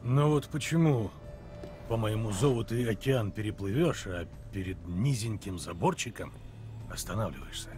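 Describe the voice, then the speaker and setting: An actor playing a stoic, weary male monster hunter in a video game, with a terse, deadpan delivery. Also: fairly low pitch, normal speed, faint music behind, natural voice. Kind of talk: video game dialogue acting.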